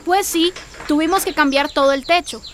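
A woman's voice: high-pitched, normal speed, slight background noise, lightly acted. An actress playing a grateful, chatty woman back from working abroad, in a radio drama.

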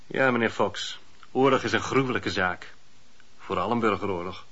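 A courteous but sceptical judge in a radio play. He questions in a formal, probing way, with a forceful, slightly raspy voice of middling pitch. The sound is a little dull and lo-fi. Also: moderate pace. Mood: measured doubt. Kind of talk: radio drama acting.

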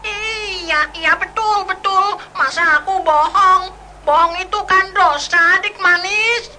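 A woman's voice: extremely high pitch, slow, pushed and bright, slight background noise, heavily acted. A woman voicing a kind, chatty talking white squirrel in a storytelling drama, playful and fussy, tripping over her words. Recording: music playing behind the voice.

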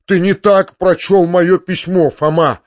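A man voicing a kindly middle-aged gentleman who pleads loudly in agitation. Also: sits high, fairly even intonation, unhurried, muffled recording, voice pushed up. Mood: agitated. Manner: loud, pleading.

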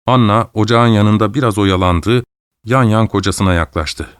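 Male audiobook narrator, steady and dramatic, smooth voice, dry close sound. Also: fairly low pitch, moderate pace, no echo. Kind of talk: audiobook reading.

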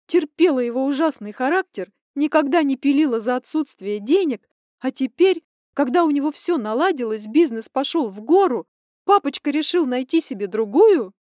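Woman doing a hot-tempered young daughter, high-pitched, loud, indignant, dry close sound. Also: expressive, normal speed, no echo. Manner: shouting, indignant.

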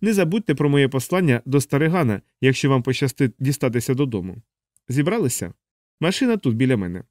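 A man's voice: mid-range voice, very animated, fast, darkish tone, no echo, clean studio sound, lightly acted. A man voicing a fussy male alien helper who lectures at length, in an audiobook. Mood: urgent. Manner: didactic, explaining at length. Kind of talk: audiobook character voice.

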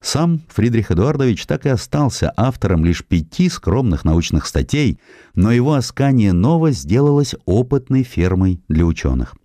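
A man reads a scripted historical essay as an audiobook narrator, in an expressive, measured storytelling manner. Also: on the low side, no room sound, clean studio sound. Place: studio.

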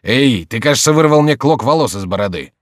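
A man voicing a loud, capricious and whiny king in an audiobook. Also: on the low side, moderate pace, no echo, clean studio sound, close to an everyday voice. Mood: bantering. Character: petulant capricious adult male king. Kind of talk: audiobook character voice.

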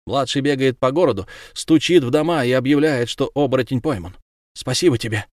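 A man's voice: mid-range voice, a little fast, darkish tone, no room sound, clean studio sound, lightly acted. A man voicing a grateful father thanking a hero. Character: grateful father of a murdered girl.

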